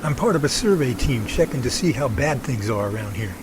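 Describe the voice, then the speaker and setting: A man's voice: mid-range voice, lively intonation, brisk, background noise, natural voice. A man playing an earnest, anxious twenty-seven-year-old survey worker in an amateur radio drama. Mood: defensive.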